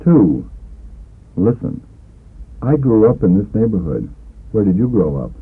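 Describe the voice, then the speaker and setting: Very husky male drill instructor, tinny tape. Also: fairly low pitch, sing-song. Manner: deliberate, instructional. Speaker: language course narrator. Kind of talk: scripted substitution drill reading. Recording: narrow, phone-like old lesson tape.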